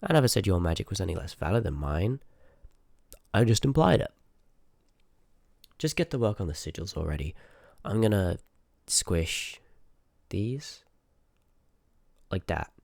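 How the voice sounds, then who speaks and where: Man acting a deep, gravelly, sardonic sorcerer. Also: sing-song, unhurried, pauses often, a little mellow, dry recording, exaggerated voice. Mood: irritated, sarcastic. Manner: sarcastic, dry banter with muttered asides. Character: rude, sardonic, curious male sorcerer in a fantasy world. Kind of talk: ASMR audio roleplay acting, addressed to the listener.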